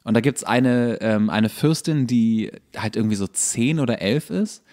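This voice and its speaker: A man co-hosting a podcast, explaining a TV series in casual chat with halting, searching delivery. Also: medium pitch, a little mellow. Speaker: podcast co-host.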